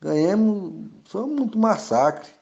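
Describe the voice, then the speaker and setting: A man's voice: sits high, expressive, takes it slowly, gravelly, mellow. A man with a rural Brazilian accent giving plain spoken testimony in a dull, lo-fi recording. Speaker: traditional community member.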